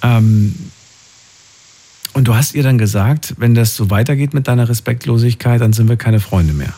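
A man's voice: mid-range voice, lively intonation, moderate pace, warm tone. A man hosting a call-in talk show, questioning a caller closely and pushing back on his answers. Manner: probing, questions each answer. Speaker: radio call-in host.

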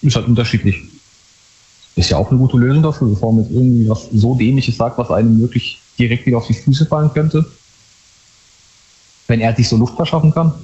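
A man's voice: mid-range voice, brisk, long pauses, mellow. A man calling in to a radio show, talking casually and searching for words. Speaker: caller. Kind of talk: casual phone chat on the radio. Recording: dull lo-fi phone line.

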